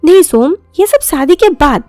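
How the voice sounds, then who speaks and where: A woman's voice: sits high, animated, moderate pace, dark tone, no echo, faint music behind. A woman voicing a young college woman in love, shy and anxious but principled, earnest in an audio story. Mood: uneasy, protesting. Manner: earnest, protesting.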